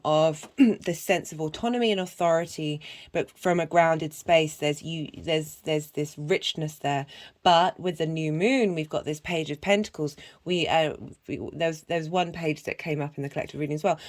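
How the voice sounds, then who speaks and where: A woman talks through a tarot spread in a relaxed, reflective way, often pausing and restarting her thoughts. Her voice sits a little low and sounds husky, as she is getting over a cough. She speaks casually, as if to viewers of her channel. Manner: reflective, halting with many fillers and restarts. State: hoarse from a cough. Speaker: tarot reader. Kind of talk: casual spoken tarot reading.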